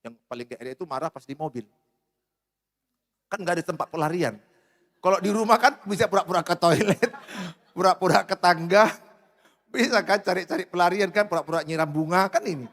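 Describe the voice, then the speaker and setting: Pastor guy preaching, kinda high voice, jokey and animated, long church echo. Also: brisk. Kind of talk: sermon. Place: church hall. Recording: reverberant church hall.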